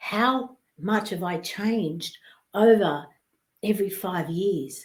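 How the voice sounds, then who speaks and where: A woman speaks at a very slow pace, her voice somewhat breathy. Long, frequent pauses break up her speech. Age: 60s. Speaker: grief and life coach, show host. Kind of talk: solo livestream talk. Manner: animated.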